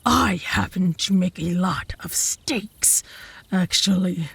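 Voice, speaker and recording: A woman's voice: on the low side, slow pace, gravelly, fairly bright tone, husky, dry recording, heavily acted. A woman playing a cocky, possessive young female werewolf who taunts her rival smugly in a comedic ASMR roleplay. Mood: smug, taunting. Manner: smug, taunting.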